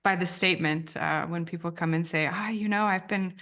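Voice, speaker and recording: A woman's voice: on the low side, brisk, fairly bright tone. A woman in her thirties, from Romania and raised in the US, a podcast guest telling her story thoughtfully, often restarting phrases. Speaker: guest, branding editor. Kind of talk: reflective podcast interview.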